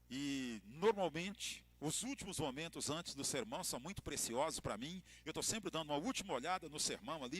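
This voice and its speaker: Brazilian pastor with a slightly high voice. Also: male voice, breathy edge. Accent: Brazilian Portuguese. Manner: storytelling, expressive emphasis, light humor. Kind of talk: church lecture to couples.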